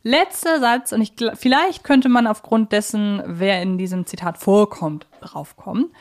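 A woman's voice: medium pitch, normal speed, a little mellow. A woman hosting a podcast in a casual, playful chat style. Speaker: podcast host. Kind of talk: casual chat, fan quiz.

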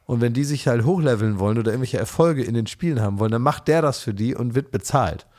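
A man's voice: medium pitch, quick pace, darkish tone. A man co-hosting a podcast in casual chat, telling ironic stories and often restarting his sentences. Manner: ironic, rambling storytelling with many restarts. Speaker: podcast co-host.

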